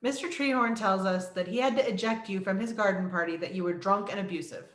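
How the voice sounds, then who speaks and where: A woman's voice: mid-range voice, fast talker, natural voice. A woman playing a hostile, bullying male police chief in a script read, curt and contemptuous. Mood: contemptuous, menacing. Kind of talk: virtual table read of a film script. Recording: echoey room.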